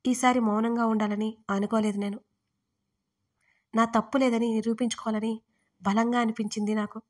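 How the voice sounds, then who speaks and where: A woman storyteller reading a first-person audio story in a steady, earnest way. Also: a little high, normal speed. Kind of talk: scripted first-person narration.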